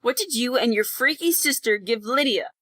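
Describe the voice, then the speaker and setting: A woman's voice: a little high, lively intonation, moderate pace, bright, forceful tone, no room sound, studio quality. A woman playing a sardonic, blunt young best friend in an audio drama. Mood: hostile.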